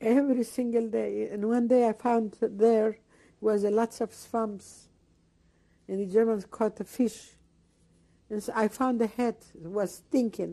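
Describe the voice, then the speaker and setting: Speaking fairly slowly with long, frequent pauses, a woman uses a fairly high pitch, a dark, mellow tone and fairly even intonation. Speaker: Holocaust survivor. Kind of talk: testimony. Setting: recorded interview. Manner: halting.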